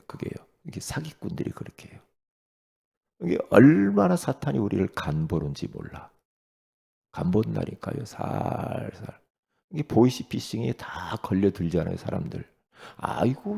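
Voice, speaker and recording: Gravelly, animated Korean pastor preaching. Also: male voice, mid-range voice. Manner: animated preaching, rhetorical questions to the congregation. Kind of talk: early-morning sermon.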